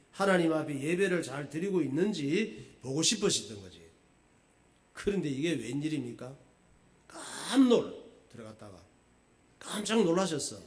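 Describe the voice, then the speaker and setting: A male pastor preaching a sermon in a lively, colloquial storytelling way with jokes. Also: a little high.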